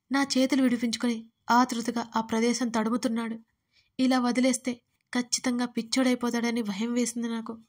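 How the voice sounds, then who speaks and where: A woman narrating her own emotional love story in the first person, with dramatic, tearful storytelling. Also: a little high. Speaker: writer and narrator of audio stories.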